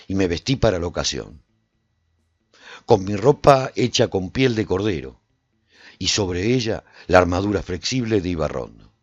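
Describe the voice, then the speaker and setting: Reflective apocalypse survivor, first-person radio drama narration. Expressive, swooping intonation, dry and slightly dull recording. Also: male voice, low voice, no echo. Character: reflective male survivor recounting life in a post-apocalyptic walled city. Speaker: narrator and actor in a radio serial.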